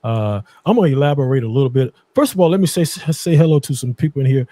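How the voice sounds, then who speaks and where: A man's voice: medium pitch, fast, mellow, no room sound. A man casually hosting a live boxing call-in show in a rambling, repetitive way. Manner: rambling, repeats himself.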